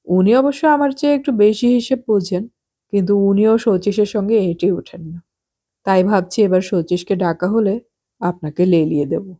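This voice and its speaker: A woman voicing a nosy, gossipy well-off married woman in an audiobook, chatty and sharp-tongued. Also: medium pitch, normal speed, lightly acted. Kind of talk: audiobook character voice.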